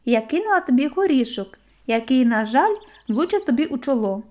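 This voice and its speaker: A woman's voice: sits high, big pitch swings, moderate pace, darkish tone, voice pushed up. A woman voicing a cheerful, playful young female squirrel who teases kindly and speaks sensibly. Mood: teasing. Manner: teasing, giggly, sensible.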